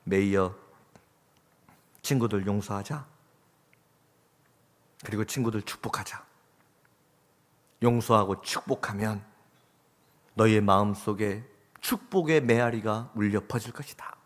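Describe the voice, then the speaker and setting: A man preaching acts out a wise mother softly coaxing her hurt son, in a church hall with a long reverb. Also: a little high, animated, normal speed. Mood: tender.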